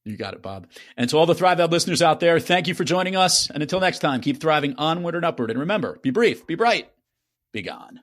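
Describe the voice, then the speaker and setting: A man's voice: fairly high pitch, very animated, fast, a bit bright, no room sound. Upbeat man hosting a podcast. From Brooklyn, New York. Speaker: podcast host. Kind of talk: casual podcast interview.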